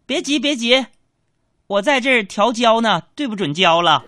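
A man putting on the shrill, scolding voice of a bossy middle-aged mother. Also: expressive, normal speed, pushed and bright, full character voice. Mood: urgent fussing.

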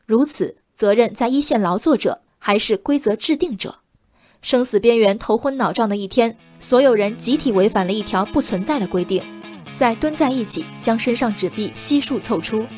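A woman reading a scripted radio commentary with measured, reflective delivery. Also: on the high side, darkish tone, faint music behind. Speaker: commentary host.

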